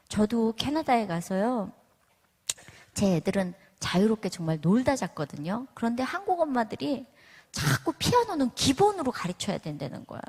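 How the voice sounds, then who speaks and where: A woman's voice: fairly high pitch, darkish tone, slightly rough. A middle-aged woman giving a church testimony, telling stories with humor and acting out other mothers' voices. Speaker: testimony speaker. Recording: echoey church hall.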